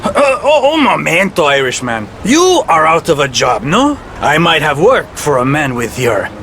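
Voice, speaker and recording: An actor playing a sly, smooth-talking Spanish black marketeer with a Spanish accent in a video game. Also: male voice, a little high, huge pitch swings, moderate pace, fairly bright tone, slight background noise, exaggerated voice. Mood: pleased, oily. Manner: wheedling salesman's patter peppered with Spanish. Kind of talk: video game cutscene acting.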